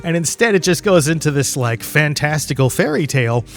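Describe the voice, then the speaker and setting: A man with a fairly high voice talks casually as a podcast host. He rambles conversationally from point to point, as if chatting straight to the listener. Faint music plays behind him. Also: expressive, fairly quick. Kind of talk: casual solo podcast talk.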